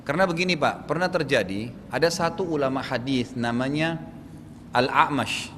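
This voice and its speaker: A man with a Makassar Indonesian accent explains matters of faith to an audience, checking in with his listeners as he goes. His mid-pitched voice carries a long hall reverb. Faint background hum sits under it. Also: moderate pace, bright, forceful tone. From South Sulawesi, Indonesia. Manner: explanatory, repeats "gitu kan?" to check understanding. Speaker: preacher. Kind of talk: religious Q&A lecture.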